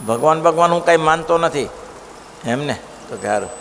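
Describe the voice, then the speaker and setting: A male preacher giving a devotional scripture discourse, telling stories in an animated way and asking the listeners rhetorical questions. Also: a little high, brisk, vocal fry. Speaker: religious preacher. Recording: long hall reverb, faint noise.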